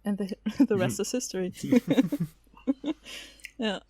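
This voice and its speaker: A woman whose first language is German, chatting as a podcast guest, laughing often and pausing with lots of fillers. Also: mid-range voice, a little mellow. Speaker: featured guest. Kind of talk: casual podcast interview.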